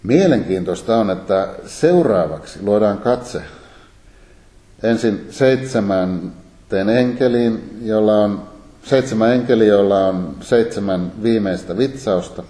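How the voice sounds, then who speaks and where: A man giving a Bible lecture, reading scripture passages aloud in a measured way with pauses. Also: lowish voice, mellow. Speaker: Bible teacher. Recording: echoey room.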